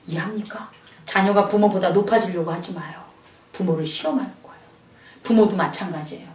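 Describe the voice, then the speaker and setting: A woman pastor preaching a sermon, drawing answers from her congregation with questions. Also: mid-range voice. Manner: animated preaching with call-and-response questions. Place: small church. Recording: echoey church hall, mic at a distance.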